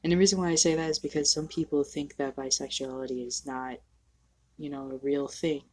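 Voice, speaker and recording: A young trans man talking candidly to the camera in a casual home vlog, halting and self-deprecating, sniffly from allergies. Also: fairly high pitch, fairly even intonation. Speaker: vlogger. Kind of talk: casual personal vlog monologue.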